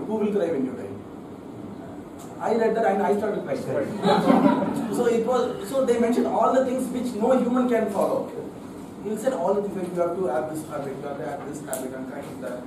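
A young man with a South Indian accent hosting a meeting, speaking to the room in a casual, joking, halting way. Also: high voice, animated. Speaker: meeting host. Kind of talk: casual humorous public speaking. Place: medium meeting room, indoors, standing before audience. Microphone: far camera. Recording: echoey room, distant camera mic, background noise.

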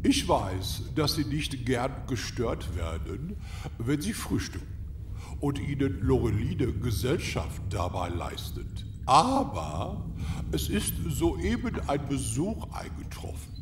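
A man playing a deferential, slightly dim castle butler in an audio drama, formal, polite and deliberate. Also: mid-range voice, very animated, reverberant, background noise. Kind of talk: German audio drama acting.

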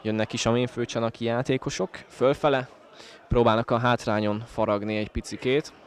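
A man's voice: mid-range voice, fairly even intonation. A man with a Hungarian accent giving conversational live football commentary for the home team. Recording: outdoor stadium with crowd noise. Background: football crowd outdoors.

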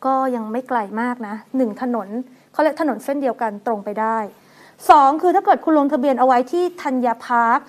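A woman co-hosting a news show, chatting and reading out schedules with soft polite particles. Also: sits high, animated, a little fast.

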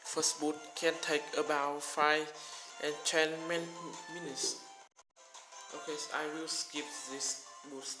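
Man, Vietnamese accent, halting repetitive English, tech walkthrough, echoey room. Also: fairly high pitch, little pitch movement. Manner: halting, apologetic, repeats words. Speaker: tech tutorial creator. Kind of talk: screen-recorded tech walkthrough. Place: small room at a desk with a laptop. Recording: echoey room with music behind.

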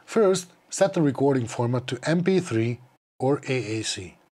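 Brief: man in his forties, mid-pitched, explaining gear plainly, small studio clip-on mic. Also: lively intonation, moderate pace, darkish tone. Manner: explanatory, matter-of-fact. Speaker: podcast gear reviewer. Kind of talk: scripted product review. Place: small dim studio, indoors. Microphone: clip-on wireless mic.

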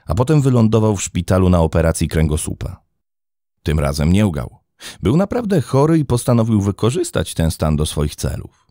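A man reading a scripted true-crime story as a podcast narrator, in a dramatic, expressive storytelling manner. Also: low voice, creaky, no echo, studio quality.

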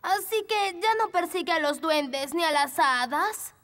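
A woman's voice: very high-pitched, lively intonation, a little slow, fairly bright tone, full character voice. A woman with a Latin American Spanish accent voicing a polite, curious little elf boy in a children's cartoon.

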